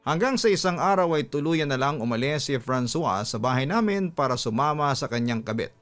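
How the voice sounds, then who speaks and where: A man's voice: mid-range voice, expressive, a little fast. A man with a Filipino accent narrating a scripted story in a dramatic radio storytelling style. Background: background music.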